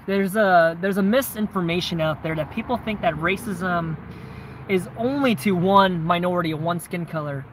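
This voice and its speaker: A man's voice: high-pitched, moderate pace, a little hiss or hum, poor audio. Southern-accented man chatting casually. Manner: conversational, frequent tag questions and "man", "bro". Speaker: vlogger answering viewer questions. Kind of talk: casual chat.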